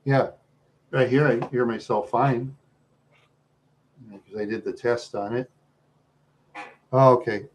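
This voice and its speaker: A man's voice: medium pitch, fairly even intonation, slow, pauses often, slight background noise. Chatty, rambling American man livestreaming. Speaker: livestream host. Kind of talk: casual livestream chat with viewers.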